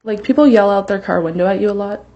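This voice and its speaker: A woman's voice: mid-range voice, quick pace, lo-fi sound. A woman in her twenties recounting her experience in a news interview, casual with fillers like "like". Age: 20s.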